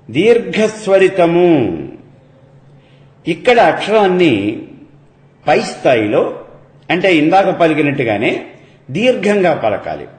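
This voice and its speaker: Male lecturer, unhurried and careful, lively rising and falling pitch, roomy reverb on the voice. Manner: measured, deliberate, stretches example syllables. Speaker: lecturer on Vedic chanting. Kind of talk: slow explanatory lecture.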